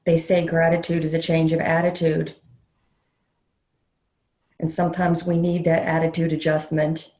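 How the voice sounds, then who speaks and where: A woman leading a guided meditation in a slow, soothing way, leaving long pauses between phrases. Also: low voice, completely flat delivery, darkish tone. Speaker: meditation leader, counselor educator. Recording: roomy, echoey sound.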